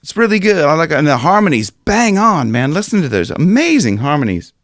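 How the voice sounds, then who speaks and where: A man's voice: on the high side, very animated, fairly quick, fairly bright tone, no echo, clean studio sound. A man in his forties from Ohio, teaching a singing lesson in a chatty, loose way and now and then singing lines to demonstrate. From Ohio, USA. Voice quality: raspy in his upper singing range. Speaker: vocal coach. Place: small room with a dark curtain behind. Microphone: studio microphone on a stand, headphones on.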